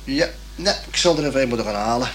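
An actor playing an unhurried young working-class repairman in a Dutch radio play, laconic, colloquial and mildly put-upon. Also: mid-range voice, expressive, a bit bright, soft background music, natural voice. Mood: absorbed, muttering. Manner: laconic, colloquial, placating, hesitant. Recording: noisy, clicking radio play recording.

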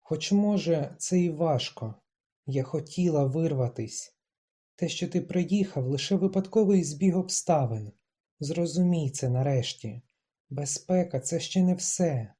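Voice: mid-range voice, lively intonation, unhurried, husky. Proud, stubborn young Helen, as a reader puts her on. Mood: earnest. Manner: clipped, emphatic, rising to shouts.

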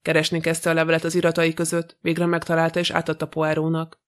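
A man reads an audiobook in a steady, even way. His voice is fairly high and almost completely flat in melody. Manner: steady, monotone reading. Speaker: audiobook narrator. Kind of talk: scripted narration.

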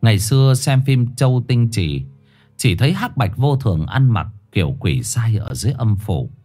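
A man narrating a ghost story in a dramatic, animated way. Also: mid-range voice, moderate pace, soft background music.

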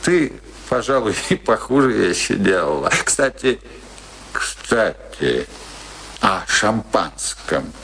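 A wry ageing husband in a radio drama about a bitter marriage. His delivery is slow and theatrical, with a gravelly creak and wide swings between teasing and brooding. There is faint noise on the old recording. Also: on the low side, very animated, fairly bright tone, full character voice. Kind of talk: Russian radio play acting, dramatic dialogue.

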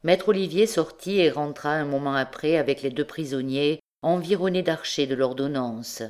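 A woman narrating a classic novel in a measured, clear reading. Her voice sits low. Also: a little mellow. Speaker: audiobook narrator. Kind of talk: literary audiobook narration.

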